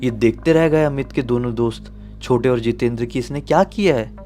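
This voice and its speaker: A man's voice: mid-range voice, brisk, warm tone, faint music behind. A man telling a horror story in a conversational, dramatic way.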